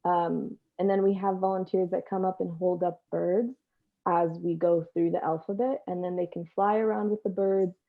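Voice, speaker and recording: A woman with a fairly low voice and plenty of vocal fry talks casually, as an interviewed performer would. The sound is thin and narrow, like a phone line. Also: fairly even intonation, normal speed. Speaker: stage actor, panel guest. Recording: tinny, narrow phone-like call audio.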